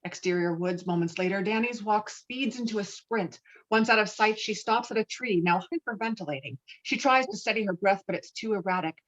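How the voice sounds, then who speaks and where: A woman's voice: mid-range voice, brisk, few pauses, dull audio. A woman reading stage directions as the narrator of a dramatic script.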